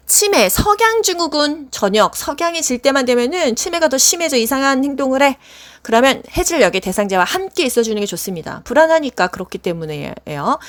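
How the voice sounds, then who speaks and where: A woman giving a casual spoken exam-prep lecture, chatty, asking questions and answering them herself. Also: on the high side. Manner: chatty, asks and answers her own questions.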